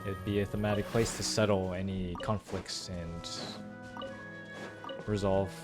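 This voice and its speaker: A man's voice: low voice, flat delivery, a little slow, over music. A man giving casual, musing playthrough commentary and analysis, repeating phrases for emphasis. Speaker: gaming streamer reacting to a story quest.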